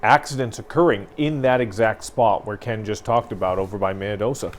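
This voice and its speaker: A man's voice: fairly low pitch, a little fast. A man, co-hosting a local news talk show, speaking earnestly and with emphasis. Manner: earnest, emphatic, builds to frustration. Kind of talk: conversational news commentary.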